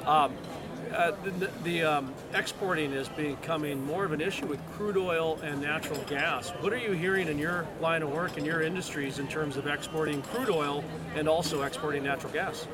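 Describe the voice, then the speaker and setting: A man's voice: on the high side, moderate pace. A man hosting a podcast, asking casual, friendly interview questions with a few fillers. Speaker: podcast host. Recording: crowd noise behind.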